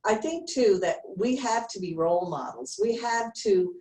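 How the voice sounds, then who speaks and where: A woman's voice: medium pitch, sing-song, moderate pace, mellow. Woman in her sixties, distant, roomy. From Canada. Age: 60s. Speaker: town hall participant. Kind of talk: video call comment.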